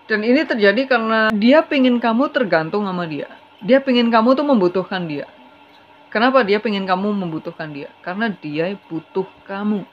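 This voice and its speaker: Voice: mid-range voice, moderate pace. A tarot reader giving a casual, chatty reading straight to the viewer, earnest and advising. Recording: slightly dull with faint hiss.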